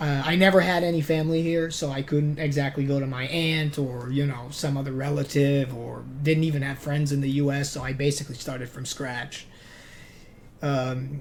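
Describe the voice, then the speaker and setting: This man's voice sits fairly high in pitch and is somewhat breathy. He speaks at a moderate pace with monotone, flat intonation. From Serbia. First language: Serbian. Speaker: vlogger. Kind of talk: casual vlog monologue.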